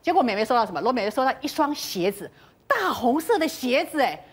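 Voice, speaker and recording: A woman tells gossip as a talk show panelist. Her voice is high and swoops up and down, her delivery is rapid, and she scatters dramatic interjections all through it. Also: sing-song, slightly rough. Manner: dramatic storyteller, full of interjections. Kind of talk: animated gossip storytelling.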